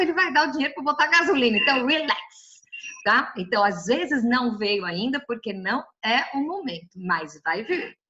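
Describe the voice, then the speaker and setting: A Brazilian woman leads a Bible study with a bright, forceful, rather high voice. Her delivery is colloquial and lively, full of playful asides. The recording sounds dull and lo-fi. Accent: Brazilian Portuguese.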